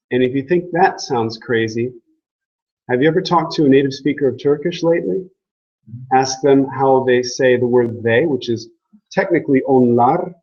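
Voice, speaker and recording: Man, classroom language teacher, husky voice, chatty and joking, slightly dull lo-fi recording. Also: mid-range voice, a little mellow. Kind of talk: classroom lecture.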